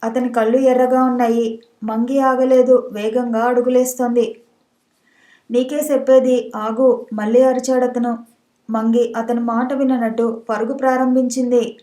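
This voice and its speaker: A woman narrating a story audiobook with steady scripted storytelling. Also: a little high, moderate pace. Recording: echoey room.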